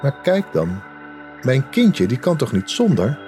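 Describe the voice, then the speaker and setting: A man's voice: mid-range voice, wildly swooping pitch, unhurried, dark tone, faint music behind, pitched above the performer's own voice. A man voicing a desperate, thirsty young mother begging for water in a storybook tale. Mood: pleading. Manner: pleading, begging. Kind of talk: storybook character voice.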